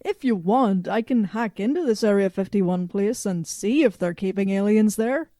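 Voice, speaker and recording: A woman's voice: medium pitch, normal speed, warm tone, dry recording, clean studio sound, natural voice. A woman playing a blunt, self-assured robot from the future in an audio drama, matter-of-fact and a little condescending. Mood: smug, confident.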